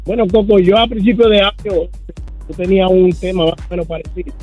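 A man's voice: high voice, level tone, brisk, a little mellow. Male call-in listener on speakerphone with the phone held too far away. Muffled and patchy line, casual storytelling. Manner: plain, conversational storytelling with small restarts. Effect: speakerphone held away from the mouth, line cutting out. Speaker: caller. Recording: dull lo-fi phone line with faint music.

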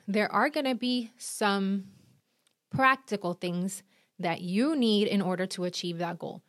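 A woman in her thirties with a Puerto Rican accent talks through venue hunting, lively and direct, tossing in quick asides. Her voice sits at an ordinary middle pitch. The sound is dry and close, with no room around it. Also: no echo. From Puerto Rico. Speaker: event planner and podcast host. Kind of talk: instructional talk.

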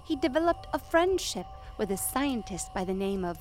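An actress playing a formal, oddly literal storyteller who talks in pompous, over-precise phrasing. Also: female voice, a little high, very animated, moderate pace, faint music behind.

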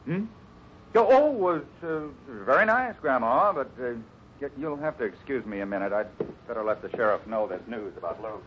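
A commanding, fatherly cowboy ranch boss, acted by a man with a mid-pitched, plain-spoken voice. He takes charge firmly in old radio serial style, on a muffled recording with faint noise. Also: lively intonation, normal speed, close to an everyday voice. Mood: flustered. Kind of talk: 1950s radio serial acting.

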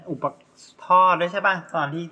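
A man's voice: high voice, steady tone, normal speed, sharp tone, highs cut off. A man hosting a casual podcast chat, steering the talk and pointing listeners to past episodes. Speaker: podcast host.

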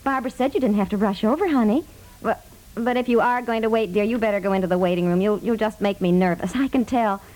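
An actress playing a calm, fondly managing expectant wife in a 1950s radio comedy. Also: female voice, medium pitch, fast, lightly acted. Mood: fondly soothing. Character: unruffled expectant wife, fondly managing her fretful husband. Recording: noisy vintage radio recording with clicks.

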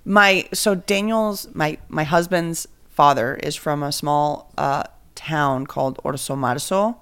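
A woman's voice: sits low, slow, fairly bright tone, clear, resonant tone. A woman from Venezuela hosting a podcast, chatting casually and thinking aloud with fillers. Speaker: podcast host. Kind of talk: casual chat.

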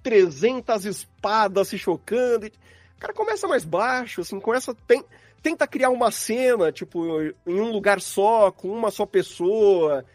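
A Brazilian man with a notably high voice talks casually, rambling and using slang as he explains. The recording is very dry and close, with music playing behind him. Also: expressive, unhurried, dry recording. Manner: informal, rambling, uses slang.

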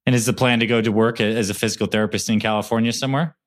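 A man's voice: lowish voice, fairly even intonation, very fast. A man hosting a podcast interview, speaking in an upbeat, encouraging way. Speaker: podcast host. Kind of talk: interview with introduction.

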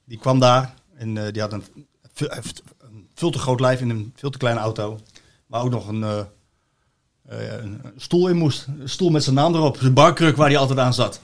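A man's voice: mid-range voice, normal speed. A Dutch man in casual football chat, telling long stories with many restarts and fillers.

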